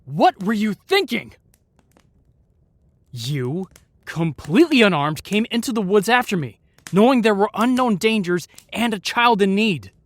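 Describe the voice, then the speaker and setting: A man's voice: high voice, sing-song, measured pace, no echo, exaggerated voice. A man playing a protective, exasperated knight in a fantasy audio roleplay, speaking formally and earnestly. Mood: exasperated scolding. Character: protective, exasperated young male knight guarding a lady.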